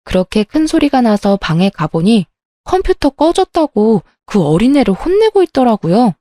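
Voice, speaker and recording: A woman's voice: fairly high pitch, big pitch swings, moderate pace, dark tone, no echo, clean studio sound. A woman reading a first-person family story in a confiding, emotional way.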